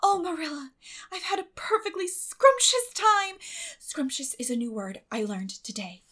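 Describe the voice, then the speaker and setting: Storybook orphan girl, high-pitched, dramatic, gushing, flowery, imaginative. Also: sing-song, normal speed, bright, forceful tone, exaggerated voice.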